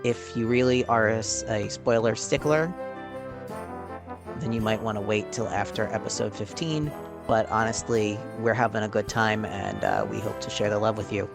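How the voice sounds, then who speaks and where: A man's voice: lowish voice, steady tone, moderate pace. A man chatting casually as a player on a tabletop gaming podcast. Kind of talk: casual chat. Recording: clear music behind the voice. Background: music.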